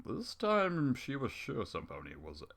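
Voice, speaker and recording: A man's voice: medium pitch, wildly swooping pitch, unhurried, gravelly, a bit bright, slight background noise. A man reading a story aloud and breaking off into exasperated, sarcastic, swearing commentary. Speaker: fan fiction reader.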